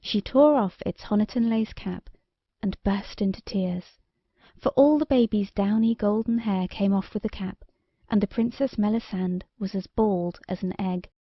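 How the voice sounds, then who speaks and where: A woman's voice: mid-range voice, normal speed, no echo, dull audio. A woman reading a scripted children's story as an audiobook narrator.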